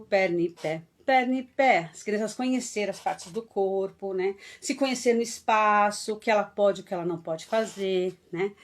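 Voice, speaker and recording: A woman from Brazil, an early childhood educator giving a live online talk, chatty and full of tag questions, growing animated as she leads the audience in games. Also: medium pitch.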